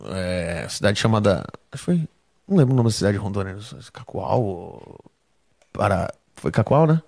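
A man's voice: fairly low pitch, moderate pace, gravelly. A young man, a comedian guest on a podcast, telling anecdotes casually with lots of swearing. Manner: animated anecdotes, heavy swearing.

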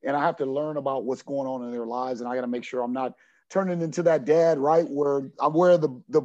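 Earnest forties man, dark muffled voice. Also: medium pitch, steady tone, fast, no room sound. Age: 40s. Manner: earnest, repeats words as he searches for them. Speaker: junior college basketball coach. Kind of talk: podcast interview answer.

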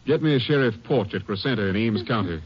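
An actor playing a steady, skeptical American Ranger captain, firm and businesslike, in a 1950s radio drama. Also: male voice, fairly low pitch, fast, lightly acted. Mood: calm, skeptical. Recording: muffled, noisy old radio recording.

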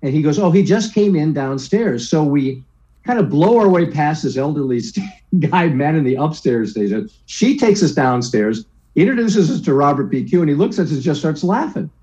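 A man in his sixties tells stories from his career in a casual interview, mimicking the people he quotes. His voice is dark and mellow. The audio sounds a little muffled and lo-fi. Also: a little high, moderate pace. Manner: lively anecdotes, acts out quoted voices, keeps asking "right?". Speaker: guest, sports broadcaster.

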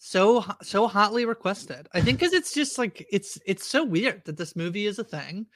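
A woman's voice: mid-range voice, lively intonation, normal speed, a bit bright, no echo. A woman co-hosting a casual podcast, talking in a rambling, chatty way and laughing easily. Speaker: podcast co-host.

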